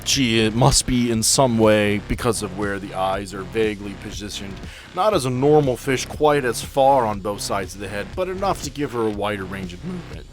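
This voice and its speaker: A man's voice: lowish voice, expressive, moderate pace. A man acting as game master, casually improvising narration and rulings for a tabletop role-playing game. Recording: music playing behind the voice.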